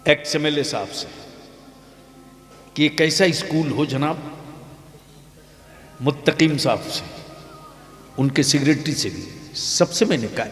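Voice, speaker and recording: A man delivers a sermon to a large outdoor gathering, unhurried and emphatic, throwing rhetorical questions at the crowd. His voice booms through loudspeakers with heavy echo and a long, trailing reverb, and faint music sits behind it. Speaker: Islamic preacher. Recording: echoey loudspeaker sound, long hall reverb.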